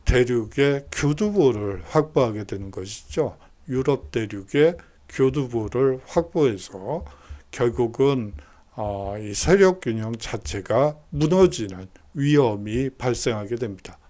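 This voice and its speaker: A man's voice: mid-range voice, lively intonation, slow pace, mellow. A man giving a recorded university history lecture, explaining steadily with frequent hesitation fillers.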